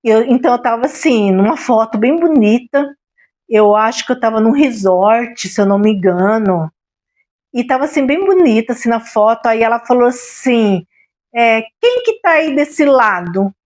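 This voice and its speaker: High-voiced Brazilian woman confiding. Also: normal speed, darkish tone. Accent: Brazilian Portuguese. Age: middle-aged. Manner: confiding, repeatedly checks in with the listener. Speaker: vlogger. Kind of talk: personal storytelling vlog.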